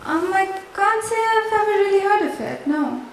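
A woman's voice: very high-pitched, lively intonation, moderate pace, vocal fry, slight background noise, heavily acted. A young woman acting a prying, condescending stranger in a staged dialogue, speaking into a handheld mic on a stage. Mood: friendly. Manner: breezy, condescending questioning. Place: large wooden-walled hall. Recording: roomy hall sound from a distance.

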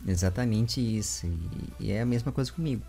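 A man in his twenties with a Brazilian accent, hosting a casual interview in an animated, rambling way, speaking into a close desk microphone at home. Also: fairly low pitch, brisk, vocal fry, over music. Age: 20s. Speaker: interviewer and show host. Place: small room with bookshelves at home. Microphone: large desk microphone with foam windscreen, close.

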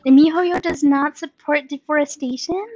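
A woman's voice: high-pitched, fairly even intonation, moderate pace, darkish tone, no room sound, highs cut off, soft background music. A woman chatting casually as she plays a game, thinking aloud with playful exclamations and muttering to herself. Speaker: let's play host.

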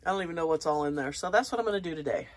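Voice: mid-range voice, animated, racing. Stuffy-nosed gardener rambling on a phone cam out in the yard, lots of ums. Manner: rambling and chatty, with many fillers and small laughs. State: congested, sniffly. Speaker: gardening channel host. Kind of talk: casual walk-and-talk garden vlog. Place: outdoors in a home garden after light rain. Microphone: handheld phone camera.

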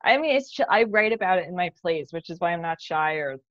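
A woman's voice: on the low side, expressive, fast, dry recording. A woman in her thirties chatting candidly and informally as a guest on a video call, with a self-deprecating manner. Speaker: playwright guest. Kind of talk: casual, candid roundtable chat. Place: bright living room at home. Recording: slightly dull video-call audio.

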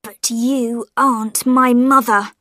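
A woman voicing a quiet, strained man who speaks in a withdrawn way in a storybook reading. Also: a little high, fairly even intonation, takes it slowly, dry recording, clean studio sound. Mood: tense. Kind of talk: audiobook character voice.

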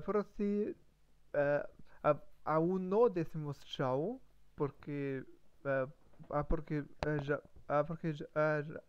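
A man's voice: on the high side, muffled recording, slight background noise. Hesitant man practicing a language. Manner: hesitant, many fillers and restarts. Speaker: language learner streamer. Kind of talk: halting improvised practice talk.

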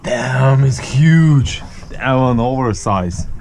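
A man whose first language is Ukrainian, narrating a fishing vlog in slow, broken English and calling viewers "guys" from a small boat. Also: mid-range voice, lively intonation, creaky, a little mellow. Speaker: fishing vlogger. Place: small boat outdoors on open water. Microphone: action camera on the boat. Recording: outdoor wind and engine noise.

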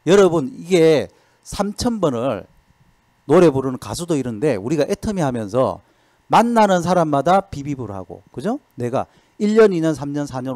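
A man giving a motivational sales lecture in a lecture hall, lively and constantly asking the audience rhetorical questions. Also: on the high side. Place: lecture hall at a training center.

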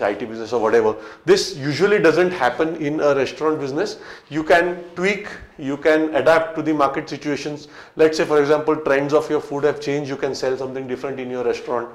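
Indian English male coach, 30s, fairly high voice, chatty with lots of fillers, roomy echo. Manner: conversational, many fillers and restarts, gesturing while explaining. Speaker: restaurant business coach. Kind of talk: whiteboard talk to camera. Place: small room in front of a whiteboard, indoors. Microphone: fixed camera, medium shot. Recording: echoey small room.

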